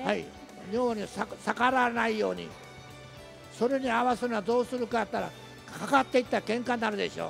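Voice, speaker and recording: A man's extremely high, flat, monotone voice at a very fast pace with long, frequent pauses, over clear background music. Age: 80s+. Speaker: actor. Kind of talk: event talk on stage. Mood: cheerful, joking. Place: stage. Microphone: handheld.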